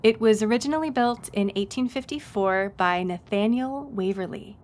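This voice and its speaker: A woman's voice: a little high, normal speed, darkish tone, lightly acted. A woman playing a friendly, chatty young docent at a historic house in an audio roleplay, casual and upbeat as she talks to the listener. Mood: upbeat, presenting. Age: young adult. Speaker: museum tour guide. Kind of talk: audio roleplay, one-sided conversation with listener.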